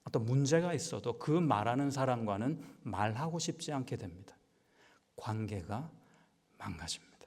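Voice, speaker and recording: A man's voice: medium pitch, lively intonation, moderate pace, darkish tone. Hall reverb preaching pastor, man. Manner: conversational preaching with rhetorical questions to the congregation. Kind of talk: sermon. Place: church sanctuary. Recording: long church hall reverb.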